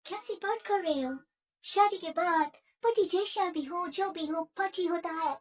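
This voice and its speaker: A woman voicing a cheerful young bride in a cartoon, speaking in a high, animated way. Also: unhurried. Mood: earnest. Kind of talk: cartoon voice acting.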